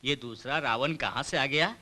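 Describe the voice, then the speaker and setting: An actor dubbing a confused comic sidekick in a film. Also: male voice, medium pitch, moderate pace, bright, forceful tone, slight background noise. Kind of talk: Hindi film dub. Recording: film soundtrack with music.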